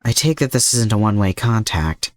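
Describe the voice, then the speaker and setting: Man voicing older male villain, low voice, smug, calm, menacing, unhurried, narrated adventure. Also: no room sound, studio quality, lightly acted. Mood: smug menace. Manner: unhurried, insinuating.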